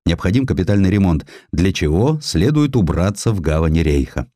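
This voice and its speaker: A weary German chief engineer played by a male narrator, dutiful and regretful. He speaks with a sighing manner and a lot of movement in pitch, in historical audiobook style. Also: big pitch swings, a little fast, mellow, dry recording, clean studio sound.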